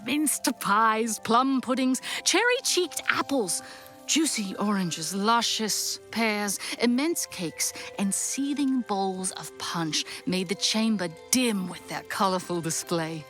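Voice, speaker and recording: Casting: woman narrator for a radio play, deliberate, expressive, medium pitch, light musical bed. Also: soft background music. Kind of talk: scripted dramatic storytelling narration.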